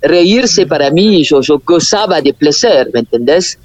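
A woman with a very low voice for a woman, a guest speaking on a remote call, rambling with many restarts and tag questions. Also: animated, unhurried, a little mellow, no room sound. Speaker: guest performer. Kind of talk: remote interview over a call. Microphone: phone call. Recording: dull phone-line call, dry.

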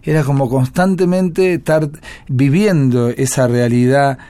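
A man's voice: medium pitch, a little slow, mellow. A man with an Argentine accent, a musician guest telling stories in a chatty, reflective way. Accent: Argentine Spanish. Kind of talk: casual interview talk.

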